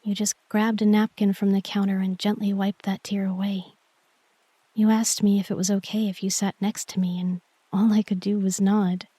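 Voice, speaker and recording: A woman playing a shy, tender young girlfriend in an intimate romantic sleep-aid roleplay, speaking softly and breathily, often near a whisper, with gentle hesitancy. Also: medium pitch, little pitch movement, moderate pace, slightly rough, no room sound, close to an everyday voice. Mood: tender, wistful. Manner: gentle, hesitant, intimate address to one listener.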